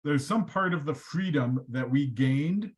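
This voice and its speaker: A man teaching a study group, explaining texts in a lively, conversational way. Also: on the high side, measured pace.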